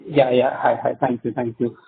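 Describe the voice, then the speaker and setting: Halting Indian analyst on a tinny phone. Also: male voice, mid-range voice, flat delivery, gravelly. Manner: hesitant, halting phrasing. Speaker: caller asking questions, investment analyst. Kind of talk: polite question on an earnings call. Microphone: telephone. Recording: tinny phone line with faint noise.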